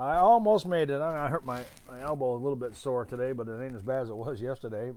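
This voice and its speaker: A man with an American accent, fairly quick and lively in intonation, on a very clean recording with a silent background. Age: 60s. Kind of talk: casual monologue. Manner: conversational, folksy.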